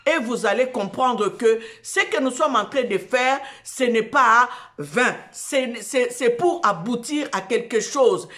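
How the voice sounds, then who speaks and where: A woman hosts her own show, speaking in a slow and emphatic way. She repeats herself and restarts phrases as she preaches. Her voice sits a little high. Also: lively intonation, a bit bright. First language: Lingala. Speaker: host of an online show. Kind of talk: preaching talk show monologue.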